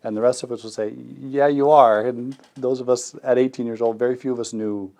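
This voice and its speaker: A man's voice: mid-range voice, fairly even intonation, brisk, mellow. A man speaking off the cuff in an interview as a school staff member. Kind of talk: spontaneous interview.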